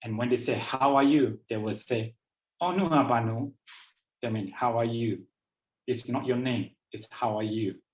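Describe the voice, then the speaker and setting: A man's voice: medium pitch, steady tone, normal speed, distant mic. Enthusiastic man talking over an echoey call. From Borneo, Malaysia. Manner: enthusiastic storyteller, repeats phrases, shifting emphasis. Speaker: guest speaker. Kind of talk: informal travel talk on a video call. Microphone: video call.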